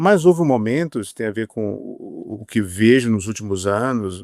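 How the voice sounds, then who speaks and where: A man's very wide pitch swings in a dry, close sound with no echo, very clean and with a silent background. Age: 60s. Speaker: writer and philosophy professor. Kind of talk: interview. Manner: hesitant, with repetitions.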